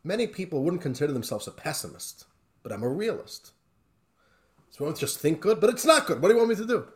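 Man, rabbi type leading a class, higher voice, very lively pitch, storytelling. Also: quick pace. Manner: animated, conversational, with rising emotional emphasis. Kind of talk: Torah class lecture with storytelling.

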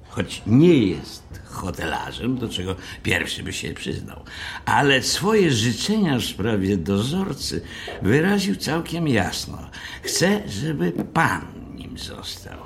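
A cold, pompous hotel manager in an audio drama. His delivery is formal and condescending, slow yet rising and falling freely, with a gravelly creak in the voice. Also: mid-range voice, a little hiss or hum, heavily acted. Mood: cold, frank. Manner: formal, condescending, hesitant openings. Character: stiff, self-important, balding hotel manager, frank and cold.

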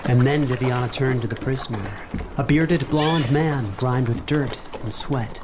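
A narrator with a mid-pitched voice reads scripted fantasy prose. The delivery is measured and literary, set over clearly audible ambient noise. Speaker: story narrator.

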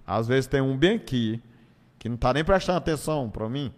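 Animated and brisk, with a medium-pitched voice, a northeastern Brazilian stand-up comedian shares casual stories as an interview guest. He talks colloquially, acting things out and repeating phrases, in a recording with long reverb resembling a hall.

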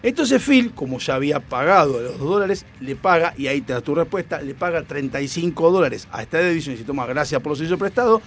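Young Rioplatense man, animated storyteller, crude and playful, pitch jumping all over. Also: quick pace, hardly any pauses, a little hiss or hum. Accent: Rioplatense Spanish. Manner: animated, crude slang, acts out quotes. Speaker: storyteller host. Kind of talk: casual storytelling chat.

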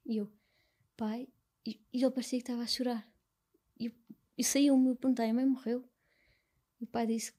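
Soft-spoken Portuguese woman, mellow tone. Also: fairly high pitch. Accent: European Portuguese. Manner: soft, halting, reflective. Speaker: interview guest. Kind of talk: personal conversation.

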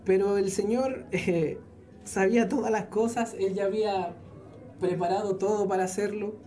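Church tech volunteer lady sharing her testimony, mellow low-key tone, keeps restarting sentences, faint music behind. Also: fairly even intonation. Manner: earnest, halting with many restarts. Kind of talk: personal faith testimony.

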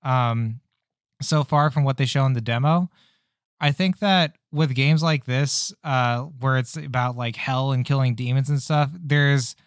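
A man co-hosting a podcast, chatting casually about game demos in a relaxed, rambling way with plenty of fillers. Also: mid-range voice, a little slow, no room sound, studio quality. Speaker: podcast co-host.

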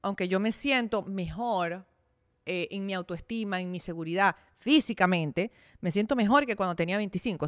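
A woman's voice: mid-range voice, no echo, studio quality. A woman in her thirties hosting her own podcast, talking candidly and chattily about her life and sometimes acting out her own thoughts. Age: 30s. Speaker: podcast host. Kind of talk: casual personal monologue.

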